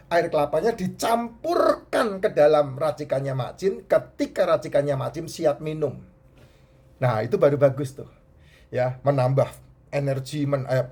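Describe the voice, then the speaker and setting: A middle-aged man with a stuffy, nasal voice gives health advice in a casual, chatty talk, often repeating his points and restarting words. His voice is fairly high in pitch, darkish in tone and slightly rough.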